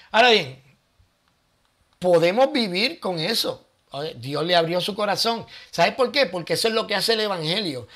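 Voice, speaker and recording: A man's voice: sits high, fairly bright tone. A man hosting his own channel, giving casual Bible teaching with rhetorical questions and thinking aloud.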